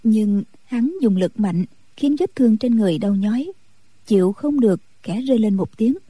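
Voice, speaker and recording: A woman reading a martial-arts storybook aloud in a steady, even-paced narration. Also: medium pitch, normal speed, breathy edge, no room sound, low-quality recording. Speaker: audiobook narrator.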